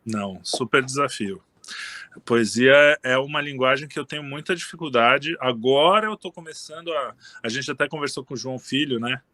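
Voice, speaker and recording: A man's voice: medium pitch, moderate pace, dry recording. A man talking casually as a guest in an interview, rambling and restarting his sentences often. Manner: relaxed, rambling, frequent restarts and fillers. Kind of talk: casual conversation.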